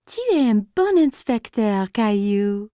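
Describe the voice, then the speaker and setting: A woman playing a gentle, encouraging mother in a children's cartoon, patiently and playfully explaining things to a small child. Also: medium pitch, expressive, slow, smooth, no room sound, clean studio sound. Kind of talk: French-language children's cartoon dubbing. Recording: music under the voice.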